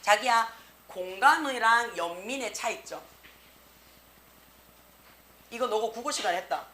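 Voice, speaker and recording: Lively woman teaching English. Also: fairly high pitch, moderate pace, slight background noise. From South Korea. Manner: lively, rhetorical questions, slangy asides. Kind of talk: exam prep lecture.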